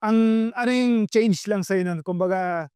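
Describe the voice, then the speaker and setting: A man's voice: high voice, unhurried, a little mellow, smooth, no echo. A man hosting a sports interview show, asking probing questions and mixing English into his sentences. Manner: switches between local language and English mid-sentence, probing.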